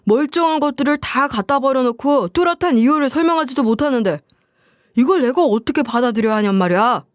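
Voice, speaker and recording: An exasperated husband fires scolding question after question, voiced by a woman reading a story. The voice sits high and swings widely in pitch. It is recorded close and dry. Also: expressive, fairly quick, no echo. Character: irritated husband, appliance store owner.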